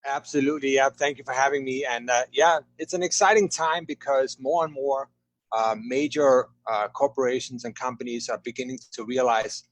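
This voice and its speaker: A man's voice: medium pitch, moderate pace, no room sound, low-quality recording. A man from Denmark presenting slides as a webinar guest, enthusiastic, with lots of "uh" and "right?". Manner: enthusiastic, many fillers and "right?".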